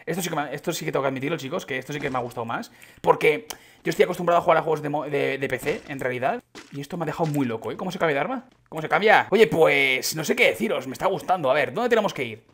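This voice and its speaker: A young man with a Spain Spanish accent giving casual, excitable commentary on his gameplay, chatting to his viewers and breaking into sudden shouts. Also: on the high side, very fast, slightly rough. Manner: chatty, addresses viewers as chicos. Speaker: gaming YouTuber.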